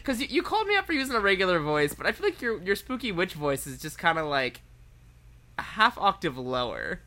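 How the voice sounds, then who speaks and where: A woman's voice: mid-range voice, sing-song, fast, a bit bright. A woman co-hosting a casual podcast, teasing the others with wry jokes. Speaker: podcast co-host. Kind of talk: casual chat.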